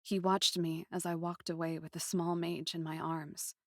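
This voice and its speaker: A woman's voice: fairly low pitch, little pitch movement, normal speed, no echo, close to an everyday voice. Emotive young princess played by a woman, dry recording. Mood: wistful, tense. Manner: intense, emotive. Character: grieving, passionate young captive princess narrating her story. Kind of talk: dramatic first-person storytelling, fan-fiction podcast.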